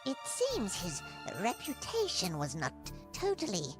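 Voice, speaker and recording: A woman voicing a dutiful nun who serves a villain in a fan-made adventure game, speaking in a deferential, measured way. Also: mid-range voice, wildly swooping pitch, faint music behind.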